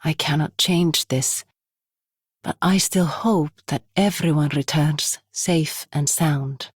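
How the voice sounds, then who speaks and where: An actress playing a solemn, compassionate tribal woman with a husky voice in a game monologue. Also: low voice, slow pace, dry recording, studio quality, heavily acted. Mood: solemn, hopeful. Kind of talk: scripted game character monologue.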